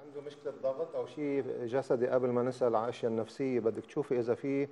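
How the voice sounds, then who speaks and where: Older lebanese man, doctor on tv, talks fast, mellow low tone, lays things out step by step. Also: steady tone, in a large hall. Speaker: doctor guest. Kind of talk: studio talk show advice. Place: TV studio.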